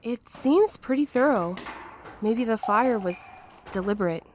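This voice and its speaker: A woman's voice: on the high side, lively intonation, measured pace, slight background noise. An actress playing a doubtful but consoling woman companion in naturalistic audio drama dialogue. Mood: doubtful, soft.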